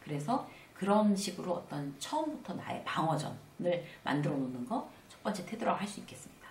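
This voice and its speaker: A woman's voice: fairly low pitch, fairly quick, a little hiss or hum. A middle-aged woman giving a casual lecture on workplace life, acting out small dialogues as she goes. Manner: conversational, acts out little dialogues with animated asides. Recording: roomy, slightly distant mic.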